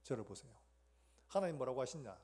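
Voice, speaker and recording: A man's voice: medium pitch, very animated, fast talker, warm tone, husky. A man preaching a sermon as pastor, with a Gyeongsang accent, who asks the congregation questions and acts out scenes.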